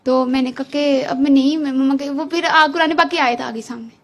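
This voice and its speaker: Woman, high voice, chatty, laughs a lot, storytelling. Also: steady tone, a little fast. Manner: chatty, laughing often, quoting herself. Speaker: guest giving testimony. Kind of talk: casual storytelling.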